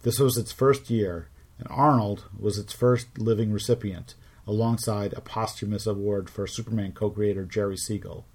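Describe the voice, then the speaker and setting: Middle-aged male podcast host, lowish voice, measured scripted storytelling, wry. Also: a little mellow, slightly rough. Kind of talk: scripted narration.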